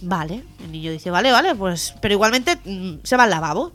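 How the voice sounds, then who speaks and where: A woman co-hosting a local radio comedy show with a Catalan Spanish accent, telling jokes with lively acted-out voices. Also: mid-range voice, brisk. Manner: lively joke-telling, acting out the lines of the joke characters. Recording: radio show with faint music behind.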